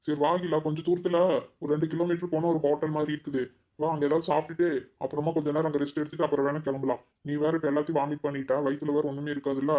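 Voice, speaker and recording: Fast coaxing man, lo-fi sound. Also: fairly high pitch, level tone. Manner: coaxing, caring husband talk. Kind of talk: cartoon voice acting.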